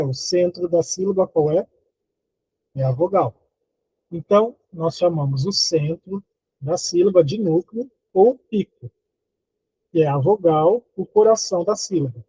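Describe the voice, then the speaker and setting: A Brazilian Portuguese-speaking man teaching an online phonology lesson, slow and deliberate, counting syllables aloud and asking his students rhetorical questions. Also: high-pitched, mellow, husky, rough recording. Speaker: university teacher.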